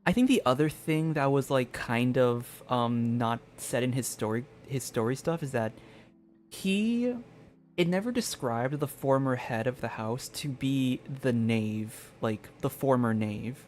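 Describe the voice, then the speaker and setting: A man's voice: mid-range voice, a little mellow, slight background noise. Casual man thinking aloud while gaming. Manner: halting, thinking aloud, repeats himself. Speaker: game streamer. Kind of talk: casual game commentary.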